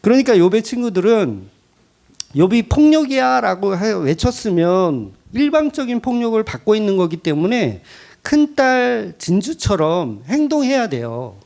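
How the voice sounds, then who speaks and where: A middle-aged man preaching a Sunday sermon as pastor, telling family stories with lively acted-out voices. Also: high voice, normal speed. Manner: animated storytelling, acts out his daughters' voices. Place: church sanctuary.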